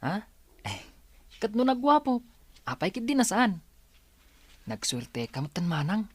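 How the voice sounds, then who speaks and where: A woman's voice: medium pitch, very animated, a little slow, husky, no echo. A woman voicing a playful, teasing younger sister in an audio drama.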